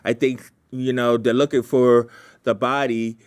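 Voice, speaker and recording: A man leading a writers' meeting in casual, halting talk, repeating himself as he thinks aloud and brainstorms. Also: medium pitch, little pitch movement, a little mellow, smooth.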